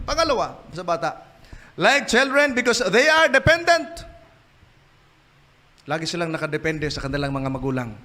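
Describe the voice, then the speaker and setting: A man preaching a church sermon, his voice high in pitch. It sounds bright and forceful. He tells stories in a lively way and rises to loud, emphatic peaks. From Philippines.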